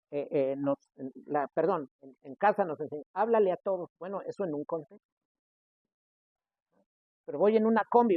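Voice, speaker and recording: A Mexican man preaching a sermon as pastor, acting out the people he quotes with sudden shifts in loudness. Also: a little high, no echo. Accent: Mexican Spanish. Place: church. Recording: dry, tinny phone-like sound.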